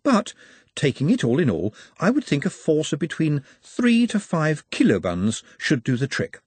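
A man voicing a polite, precise male orc who stays menacingly calm and speaks in formal, pedantic phrases. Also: on the high side, normal speed, breathy edge, no room sound, pitched above the performer's own voice, heavily acted. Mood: calmly menacing.

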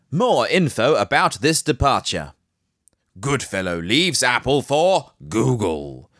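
A man's voice: medium pitch, fairly bright tone, dry recording, studio quality. A man hosting a casual tech news podcast. He is nasal from hay fever and breaks up the news with joking asides. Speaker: podcast host.

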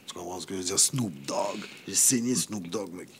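A man's voice: sits low, fairly quick, breathy edge. A man talking as a rapper guest in a casual interview. He is laid-back, keeps asking "you know what I mean" and slips into English.

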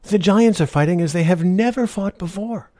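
A man's voice: sits high, moderate pace, mellow, no echo, clean studio sound, pitched above the performer's own voice, lightly acted. A man voicing a sly old beggar woman who taunts and needles a knight in a storybook reading. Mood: taunting.

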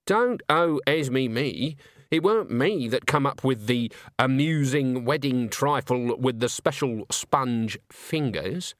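A man's voice: medium pitch, takes it slowly, a bit bright, dry recording, clean studio sound. A man voicing a stern, stubborn elderly witch in a storybook, curt and disapproving, with rustic turns of phrase. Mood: curt, scornful.

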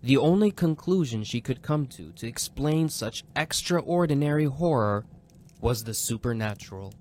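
A man's voice: mid-range voice, animated, normal speed, darkish tone. A man narrating a scripted story with intense, suspenseful delivery. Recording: background music under the voice.

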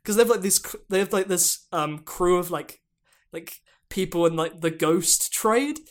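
Rambling podcast host, full of fillers. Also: male voice, high-pitched, normal speed. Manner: rambling, filler-heavy storytelling. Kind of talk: casual chat.

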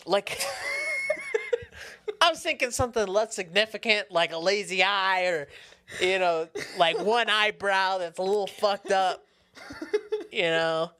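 A man's voice: sits high, measured pace, long pauses, bright, forceful tone, smooth. A man co-hosting a podcast, bantering casually, riffing on jokes and laughing mid-sentence. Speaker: podcast co-host.

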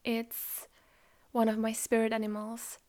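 A woman whose first language is German hosts a spiritual podcast, talking in a soft, slow, reflective way that often drops close to a whisper. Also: on the high side, monotone. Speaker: podcast host. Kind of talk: calm spiritual podcast monologue.

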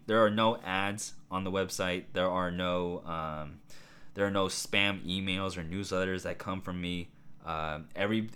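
Hoarse man rambling on a podcast. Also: low voice. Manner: rambling, excitable, many fillers and asides. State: hoarse, raspy voice. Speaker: podcast host. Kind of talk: casual solo podcast talk.

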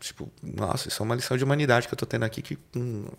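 Fast-talking gravelly Brazilian man. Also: medium pitch. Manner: animated, slangy, acts out quoted dialogue. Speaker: podcast guest, car salesman. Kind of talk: casual storytelling.

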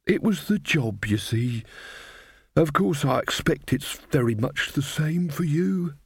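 A man's voice: on the high side, expressive, a little slow, husky, no echo, full character voice. A man voicing a mild, cheerful old fairy godmother woman who chats and rambles. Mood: mild, chatty.

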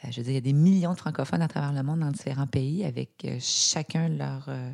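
A woman with a Québécois accent and a low voice, chatting freely as an interview guest. She tells her stories with energy and acts out the lines of the people she quotes. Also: fast talker, gravelly. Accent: Québécois French. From Quebec, Canada. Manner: animated storytelling with imitated quotes. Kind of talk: conversational interview.

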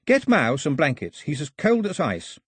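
A fierce, bossy young woman, put on by a man, pitched well above his own husky voice. She snaps out orders in a sharp, commanding way. The sound is dry and close, with no room around it. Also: wildly swooping pitch, normal speed, no echo, full character voice.

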